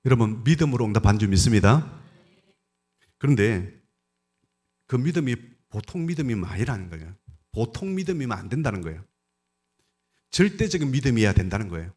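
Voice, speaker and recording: A man's voice: medium pitch, big pitch swings, brisk, long pauses, darkish tone. A middle-aged man preaching a Sunday sermon in a church, putting rhetorical questions to the congregation. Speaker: pastor. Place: church sanctuary during a service.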